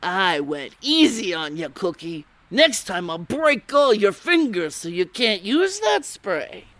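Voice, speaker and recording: Casting: tough noir dame wrestler played by a woman, slangy, threatening, very animated mid-range voice, old radio parody. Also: mid-range voice, takes it slowly, dry recording. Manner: hard-boiled, brusque, slangy.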